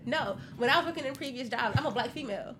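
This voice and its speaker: A woman's voice: high voice, animated, fast talker. A woman with an African American accent talking directly and assertively in a casual group discussion. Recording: clearly noisy background.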